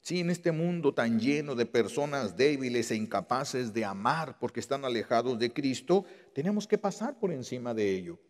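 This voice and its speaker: A male Catholic priest preaching a sermon, impassioned, repeating key phrases and drawing words out slowly for weight. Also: mid-range voice, expressive, long reverb tail.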